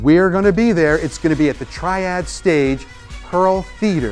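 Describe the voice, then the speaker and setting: A man with an American accent talks at a fairly slow pace in an upbeat tone. Faint music plays in the background. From United States. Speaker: wrestling ring announcer. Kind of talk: event promo to fans. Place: studio.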